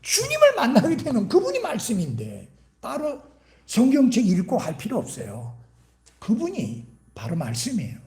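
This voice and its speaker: A man's voice: very high voice, wildly swooping pitch, normal speed, a little mellow. A man preaching at a church revival meeting, asking the congregation rhetorical questions and sometimes dropping his voice to a whisper. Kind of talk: sermon.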